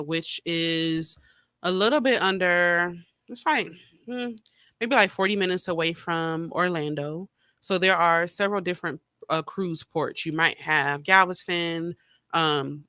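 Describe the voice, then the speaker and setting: A man's voice: on the high side, bright, forceful tone, clear, resonant tone, dry recording, clean studio sound. A man hosting a podcast, chatting casually with lots of fillers and sounding a little congested from a cold. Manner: chatty, rambling with many fillers. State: slightly congested, getting over a cold. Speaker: podcast host. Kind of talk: casual solo chat. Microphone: streaming mic.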